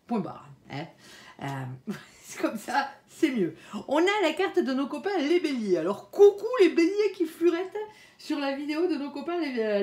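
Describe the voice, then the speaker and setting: A woman giving a casual tarot reading, talking chattily to her viewers and filling her speech with little interjections. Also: a little high. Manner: chatty, peppers speech with "hein" and "alors"; softly pleads with her guardian angel between cards. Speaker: tarot card reader. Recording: echoey room.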